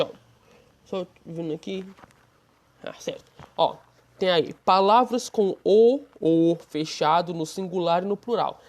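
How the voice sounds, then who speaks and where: A woman's voice: lowish voice, a little mellow, a little hiss or hum. A woman with a Brazilian Portuguese accent teaching an online language lesson, explaining step by step in a patient, friendly way.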